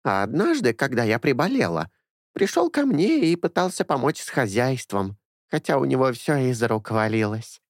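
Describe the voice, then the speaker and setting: A man's voice: medium pitch, sing-song, moderate pace, no echo, studio quality. A man voicing a talkative old woman in her sixties, a former caretaker who rambles fondly and confidingly.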